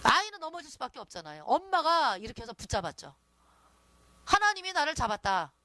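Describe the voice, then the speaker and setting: Woman preaching, chatty, keeps asking the congregation to agree, lively voice. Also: high voice, a little fast. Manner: conversational, often asks the listeners for agreement. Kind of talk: sermon.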